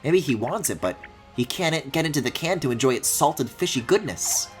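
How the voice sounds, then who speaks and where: A man's voice: on the high side, animated, moderate pace. A man streaming a video game with casual live commentary, thinking aloud expressively. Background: game music.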